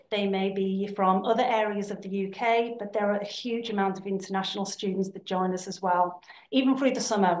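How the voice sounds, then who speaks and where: A woman gives a webinar talk about her university to prospective students. She speaks steadily at a middle pitch and often fills pauses with ums and repeated words. The sound is roomy, as if recorded in an echoey space. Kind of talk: webinar presentation.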